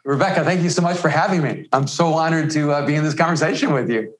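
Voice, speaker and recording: A man from El Salvador, his first language Spanish, answering as a podcast guest. He talks in a reflective, halting way with frequent restarts, his voice sitting a little high. The sound carries a roomy echo. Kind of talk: conversational interview.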